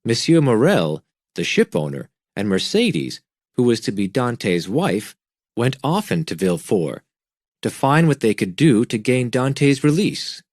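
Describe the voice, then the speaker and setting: A man's voice: mid-range voice, very animated, a little slow, a little mellow, no room sound. A man voicing a sly, fawning middle-aged innkeeper who speaks eagerly and turns indignant, with a dry, close sound. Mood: earnest, indignant.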